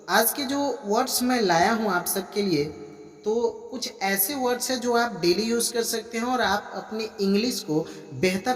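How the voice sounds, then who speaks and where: A man tutoring English in a casual online class, slowing down to repeat example phrases and keep coaxing viewers to answer. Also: sits high. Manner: repeats example phrases slowly and keeps urging viewers to comment.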